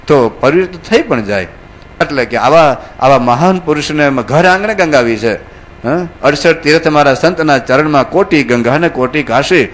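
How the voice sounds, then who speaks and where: A male monk delivers a storytelling sermon, voicing each character in his parables. His voice sits fairly high, with faint ambience in the background. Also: slight background noise. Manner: animated, acts out characters. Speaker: monk preacher.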